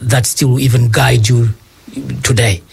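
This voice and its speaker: A man interviewing a guest, asking halting, rambling questions and backchanneling often. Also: mid-range voice, steady tone, creaky, a crowd in the background. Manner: halting, restarts questions, frequent mm-hmm.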